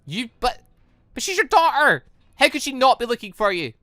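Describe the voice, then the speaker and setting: A gamer voicing a defiant, sharp-witted teenager in an anime visual novel, indignant and challenging. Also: high voice, big pitch swings, moderate pace, no room sound, clean studio sound, voice pushed up, heavily acted.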